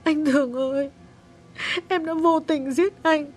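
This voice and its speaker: A man's voice: extremely high pitch, lively intonation, normal speed, faint music behind, pitched above the performer's own voice. A man voicing a grieving young woman who speaks through tears, in an audiobook story. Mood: sobbing. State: sobbing. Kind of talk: audiobook character voice.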